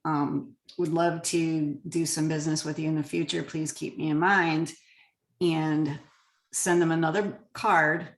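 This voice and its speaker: An echoey room carries a woman's slightly low voice as she talks shop in an interview. She is a real estate agent from Connecticut, speaking conversationally as a guest. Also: little pitch movement, unhurried. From Connecticut, United States. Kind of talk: conversational interview about work systems. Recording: roomy echo.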